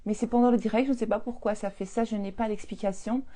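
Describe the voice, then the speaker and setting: A woman in her fifties, a holistic coach, chatting casually on a live stream, telling lively stories and laughing often. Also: medium pitch, fast.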